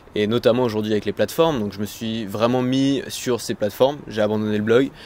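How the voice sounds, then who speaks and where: Over noticeable background noise, a man talks at a fairly quick pace and medium pitch with ordinary pitch variation. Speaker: web entrepreneur. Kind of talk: interview.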